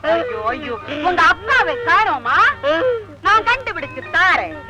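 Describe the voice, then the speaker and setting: A chatty comic village appam seller with a high, lively voice full of rhyming banter. Loud film music runs behind her from an old soundtrack. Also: measured pace, exaggerated voice, rough recording. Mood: fussing. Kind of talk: 1970s film comedy dialogue.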